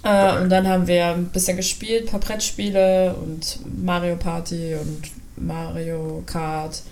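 Podcast cohost lady, lowish voice, chill and cheery, faint hiss. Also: unhurried. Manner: relaxed, cheerful. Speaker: podcast co-host. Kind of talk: casual group chat.

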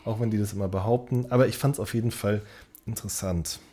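A man's voice: on the low side, fairly even intonation, fast, dark tone. A man co-hosting a podcast in casual, unscripted chat, explaining things in a rambling, searching way and often rephrasing. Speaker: podcast co-host.

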